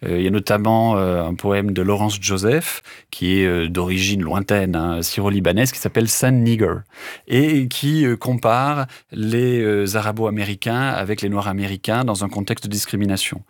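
A man's voice: on the low side, steady tone, moderate pace, no echo, studio quality. A man being interviewed on radio as an author, answering thoughtfully and hesitantly, with many filler sounds. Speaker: author and guest.

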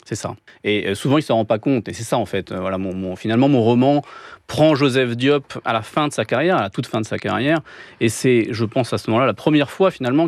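Novelist guest, 30s male from France, measured and hesitant, dry close sound. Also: medium pitch, no echo. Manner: thoughtful, hesitant, many pauses with fillers. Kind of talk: radio interview answers.

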